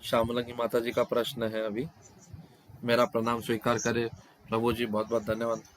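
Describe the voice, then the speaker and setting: A man speaking over an online video call, interpreting questions and answers at a devotional scripture class. His voice sits at an ordinary middle pitch. He often stops mid-word and starts the phrase again. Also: monotone, a little fast, a little hiss or hum.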